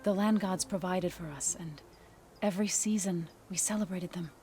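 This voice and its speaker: An actress playing an earnest, gentle, devout young tribal woman in a video game cutscene. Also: fairly low pitch, normal speed, slight background noise, lightly acted. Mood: wistful.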